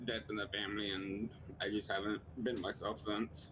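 Over noticeable background noise, a man talks at a moderate pace with a fairly low pitch and fairly even intonation. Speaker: gamer helping in voice chat. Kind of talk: casual gaming chat with tips. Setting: online voice chat during livestream. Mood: subdued, personal. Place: home room. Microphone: headset.

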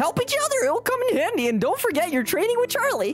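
A put-on character voice at a very fast pace, with clear background noise

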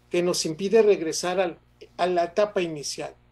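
The voice has a dark, mellow tone and a moderate pace. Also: man. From Mexico. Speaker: neuroscientist; guest. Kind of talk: interview, explanatory talk. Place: home room. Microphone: video call.

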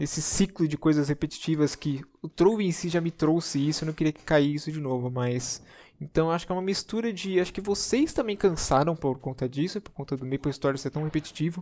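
Over a very clean recording with a silent background, a man talks at a fairly quick pace with hardly any pauses, ordinary pitch variation and a fairly high pitch. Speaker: gaming youtuber. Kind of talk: casual vlog monologue.

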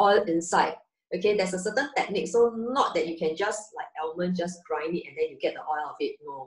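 The background is quiet, but the room echo is audible. A woman at medium pitch speaks at a fairly quick pace, with big swings in loudness. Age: 40s. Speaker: beauty product trainer. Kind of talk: product workshop presentation. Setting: video call. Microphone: video call.

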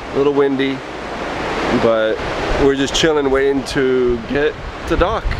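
Clear background noise, a dry sound without echo, and a man at a moderate speed. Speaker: travel vlogger. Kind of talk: casual vlog chat. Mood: relaxed, upbeat. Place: boat. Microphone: phone near.

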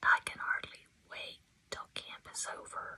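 The speaker is soft-spoken, whispering. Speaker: reader. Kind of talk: reading a novel aloud. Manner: soft whispered storybook reading. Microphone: phone near.

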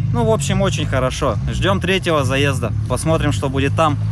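A man speaks at a fairly quick pace. The sound is dry with no echo, though noticeable background noise is present. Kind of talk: interview answer. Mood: cheerful, relaxed. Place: open country.

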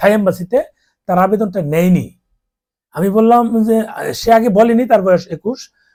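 A man speaks with a high pitch and a dark, mellow tone. His intonation stays fairly even. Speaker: travel agent and travel vlogger. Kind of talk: informational talk to camera. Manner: halting.

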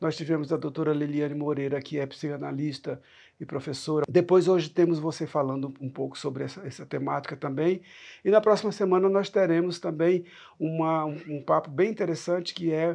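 Against a quiet background, a man talks at a moderate pace and a fairly high pitch. His intonation is fairly even. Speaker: interview show host. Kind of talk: interview, host intro and questions. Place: studio.

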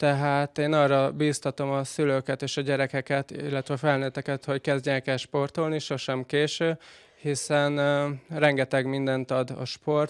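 Against a quiet background, a man speaks at a fairly slow pace and a fairly high pitch. His intonation is monotone and flat. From Kistarcsa, Pest county, Hungary; Hungary. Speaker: former judoka. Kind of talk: interview. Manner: hesitant. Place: office. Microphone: handheld.

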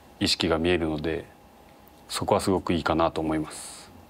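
At a fairly quick pace, a man is talking. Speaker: professional footballer. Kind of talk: casual interview. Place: empty room.

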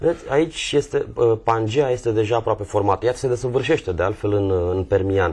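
A man talks at a moderate pace and medium pitch with hardly any pauses. His voice is somewhat breathy. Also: ordinary pitch variation, very even loudness. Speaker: magazine editor. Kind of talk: educational discussion. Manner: explanatory.

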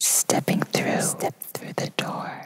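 A woman whispering in a dry, close sound with no echo. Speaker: ASMR and guided meditation creator. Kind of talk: guided meditation. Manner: whispered, soft-spoken, slow.

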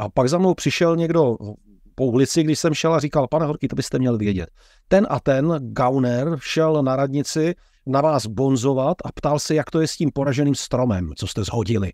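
A man speaks at a moderate pace in a dark, mellow tone with ordinary pitch variation. The sound is dry with no echo, and the background is quiet. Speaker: podcast host. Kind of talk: interview question with anecdote.

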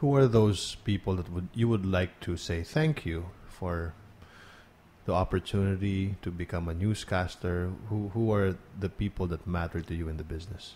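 Somewhat breathy and dark, mellow in tone, a man speaks very deep and low with ordinary pitch variation. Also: moderate pace. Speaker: podcast host and TV news anchor. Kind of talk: interview.

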